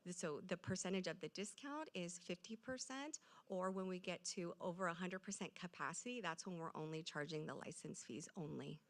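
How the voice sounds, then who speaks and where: Female city staffer, lower-pitched, explaining policy at a public meeting. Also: brisk, hardly any pauses. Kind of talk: answering council questions at a public meeting.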